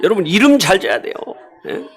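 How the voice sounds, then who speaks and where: A middle-aged male pastor preaching a sermon in a church, animated and questioning the congregation, acting out animal sounds and scoldings. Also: sits high, fairly quick, slight background noise. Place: church sanctuary.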